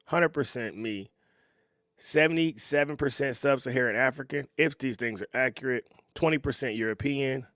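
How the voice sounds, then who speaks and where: Relaxed man reacting, dry sound. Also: medium pitch, dry recording. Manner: relaxed, conversational, agreeing, chuckles often. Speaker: reaction video host. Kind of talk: casual reaction commentary.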